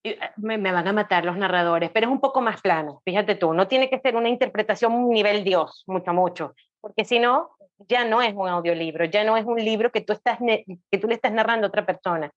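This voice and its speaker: A woman's voice: medium pitch, brisk. A woman guest explaining things casually and talkatively, often checking in with little tag questions, on a slightly dull recording. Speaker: podcast guest, audiobook specialist.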